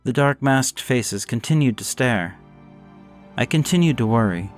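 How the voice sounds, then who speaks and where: A man reads scripted gothic horror as its narrator. His delivery is dramatic yet measured, somber and suspenseful, in a mid-pitched voice over background music. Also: animated.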